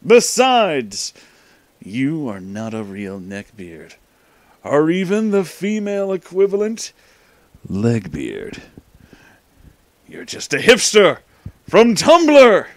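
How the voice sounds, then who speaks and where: A man's voice: on the high side, huge pitch swings, slow pace, long pauses, no echo, heavily acted. A man voicing an exasperated, bossy young nerd adventurer in a comic story, speaking emphatically and indignantly. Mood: dismissive.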